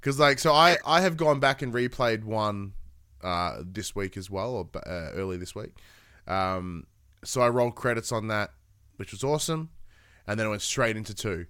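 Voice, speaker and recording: A man's voice: on the low side, normal speed, a bit bright, clean tone, no room sound, clean studio sound. Upbeat rambling podcast co-host, man. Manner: rambling, upbeat, lots of fillers and restarts. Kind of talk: casual gaming podcast chat.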